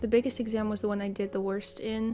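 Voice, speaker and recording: Music plays in the background while a woman speaks at a fairly high pitch. Her delivery is fairly quick, in monotone, flat intonation. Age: 20s. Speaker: medical student and vlogger. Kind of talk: casual chat.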